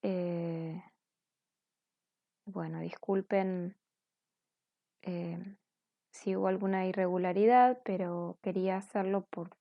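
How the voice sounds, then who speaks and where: A woman's voice: on the low side, steady tone, slow pace, vocal fry, long pauses, no room sound, muffled recording. A woman teacher going over corrected grammar exercises in a patient, explanatory way, often checking in with her students. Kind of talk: recorded class correction lesson.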